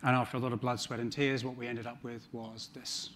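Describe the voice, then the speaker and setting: A man's voice: mid-range voice, level tone, fairly quick, fairly bright tone, slight background noise. A middle-aged man with a New Zealand accent giving a conference talk on a large stage, with dry humor and frequent ums. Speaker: conference speaker.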